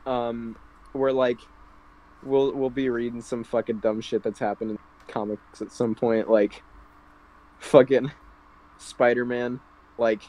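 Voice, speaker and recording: A man's voice: medium pitch, little pitch movement, slow pace, long pauses, dark tone, low-quality recording. Rambling man telling stories casually. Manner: rambling storytelling, filler-heavy, swears. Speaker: podcast co-host. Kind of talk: casual chat.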